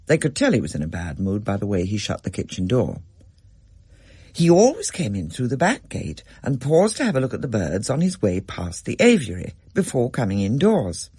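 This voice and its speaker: A man narrating a story in a measured, expressive reading. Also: on the low side, slightly rough, dry recording, clean studio sound.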